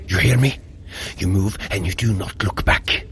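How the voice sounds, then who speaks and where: An actor playing a brave, protective Norse thunder god in an audio drama, speaking in a solemn, formal, declamatory way. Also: male voice, on the low side, normal speed, fairly bright tone, lightly acted. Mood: urgent, earnest. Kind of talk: scripted audio drama acting.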